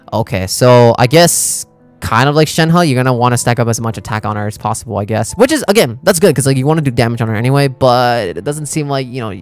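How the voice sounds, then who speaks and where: Young adult male streamer, mid pitch, informal reaction commentary, thinks aloud, music underneath. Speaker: streamer reacting to game content. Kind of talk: casual reaction commentary, partly reading aloud.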